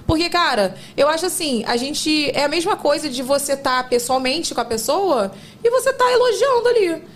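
A woman with a high voice hosts a podcast in casual chat. She talks things through out loud, laughs often and keeps the conversation going. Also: lively intonation, normal speed, a little hiss or hum. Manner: chatty, laughs often, reasons aloud.

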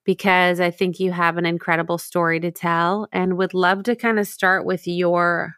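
A woman's voice: lowish voice, flat delivery, moderate pace, fairly bright tone, smooth. A woman hosting a podcast, reading an effusive scripted intro and then chatting in an upbeat way. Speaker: podcast host.

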